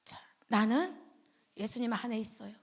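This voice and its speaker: A woman giving a lively children's sermon as a pastor's wife, asking the children questions and acting out the voices of the people in her story. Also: a little high, normal speed. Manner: animated, asks the children questions; acts out voices of the devil, children and God. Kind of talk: children's sermon with acted dialogue.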